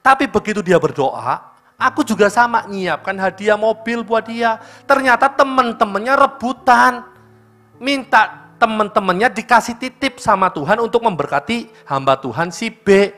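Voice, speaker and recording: A man's voice: high voice, normal speed, faint music behind. A male pastor with an East Javanese accent preaching at a church service, telling a story and speaking straight to the congregation. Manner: lively storytelling, addressing the congregation directly. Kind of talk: sermon.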